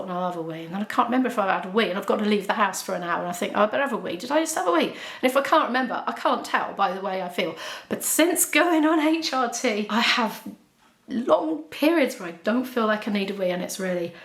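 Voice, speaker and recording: A chatty woman talks openly to camera at home, in a voice of middling pitch. She laughs easily and often trips over her words. The room gives her voice a roomy echo. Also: fairly bright tone. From Wales. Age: 40s. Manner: chatty and candid, with frequent laughs and restarts. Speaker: YouTuber answering viewer questions. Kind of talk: casual chat.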